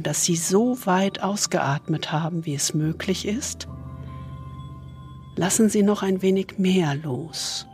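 A woman leads a guided meditation in a soft, soothing spa manner, leaving long pauses and trailing into breathiness. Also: lowish voice. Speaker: host guiding a relaxation exercise.

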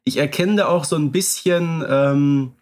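In a relaxed podcast conversation about radio plays, this male co-host keeps affirming and agreeing with his partner. He speaks at a measured pace, his voice on the high side with a darkish tone.

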